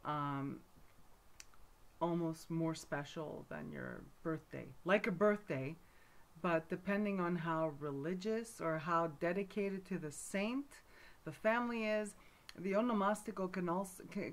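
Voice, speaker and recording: A woman's voice: lowish voice, unhurried. A middle-aged woman from Montreal giving a casual talk to camera as a folk magic teacher, rambling with many fillers and asides. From Montreal, Canada.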